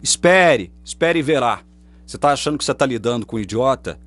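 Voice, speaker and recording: A man's voice: mid-range voice, animated, quick pace. A man with a Brazilian Portuguese accent delivering a combative religious monologue to camera, full of rhetorical questions. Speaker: online preacher. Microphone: webcam or phone facing speaker.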